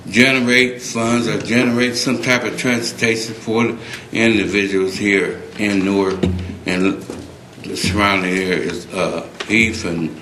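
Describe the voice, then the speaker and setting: A man addresses a city council from the podium, talking very slowly and earnestly, often restarting his sentences. He sounds emotional. The council chamber gives his voice a roomy echo with a faint hiss behind it. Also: fairly low pitch, fairly bright tone. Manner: halting, earnest, many restarts. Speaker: public commenter at city council. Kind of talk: public comment, unscripted plea.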